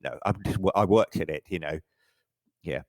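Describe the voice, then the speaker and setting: A man's voice: sits low, moderate pace, darkish tone, dry recording. A middle-aged English man, a photographer, chatting casually in an interview and often restarting his sentences. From England. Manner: rambling, self-correcting, frequent stammered restarts. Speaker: photographer guest.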